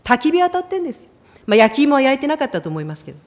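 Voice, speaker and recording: High, lively woman preaching. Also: racing. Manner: storytelling, acts out quoted lines, emotional and expressive. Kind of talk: sermon.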